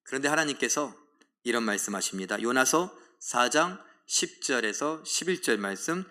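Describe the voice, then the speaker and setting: A man's voice: mid-range voice, expressive, moderate pace, pushed and bright. A middle-aged man preaching a sermon as pastor, dramatically acting out complaints and leading a congregation in reading scripture aloud.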